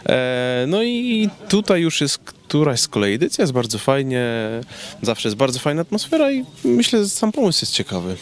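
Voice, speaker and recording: A man in his thirties, easygoing and pausing often, answers questions outdoors into a handheld microphone in speech. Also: on the high side, huge pitch swings. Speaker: interviewed singer. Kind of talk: casual outdoor interview. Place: outdoors in a garden with trees. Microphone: handheld reporter microphone.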